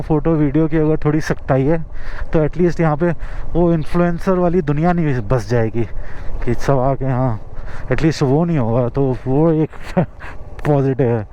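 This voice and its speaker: A man's voice: a little high, warm tone, highs cut off, slight background noise. A man with an Indian accent chatting casually as a travel vlogger outdoors, slipping English phrases into his talk. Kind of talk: casual vlog chat. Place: outdoors in a mountain valley. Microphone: camera's built-in mic after the mic battery died.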